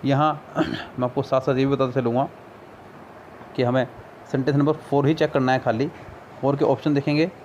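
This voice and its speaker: A man with an Indian accent, a Hindi speaker, tutoring for an English exam over a screen recording, patiently explaining and reading English sentences slowly. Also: mid-range voice, level tone, a little mellow, muffled recording, slight background noise. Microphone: screen recorder mic.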